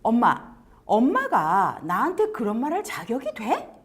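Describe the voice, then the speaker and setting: A woman mimicking a sulky teenager who talks back to a parent in a rapid, irritated way. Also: fairly high pitch, huge pitch swings. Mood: defiant.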